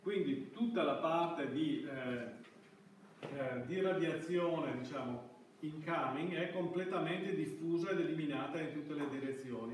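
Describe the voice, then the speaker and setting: A middle-aged man gives a classroom lecture in a fairly high voice. He speaks haltingly, restarting phrases as he looks for the word. The sound is very reverberant and picked up from a distance, with faint noise. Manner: halting, searching for words with repeated false starts. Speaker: university lecturer. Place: indoor classroom. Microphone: far camera microphone. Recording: echoey classroom, distant mic, background hiss.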